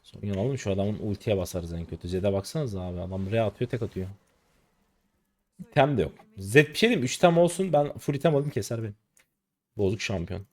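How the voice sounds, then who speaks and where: Fast-talking and fairly low-pitched, this streamer in his late 20s narrates his game live, swinging between excitement and frustration while hurling crude slang at teammates.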